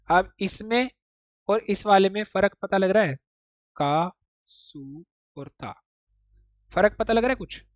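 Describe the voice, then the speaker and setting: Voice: mid-range voice, no echo, dull audio. A teacher in an online class explaining Japanese writing step by step, mixing English words into the talk and often checking that the listener follows.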